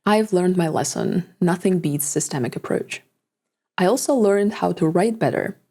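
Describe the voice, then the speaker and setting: Low gravelly-voiced woman narrating an essay. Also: mellow. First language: neither English nor Japanese. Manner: measured, reflective, articulate. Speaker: video essayist. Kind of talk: scripted voice-over narration.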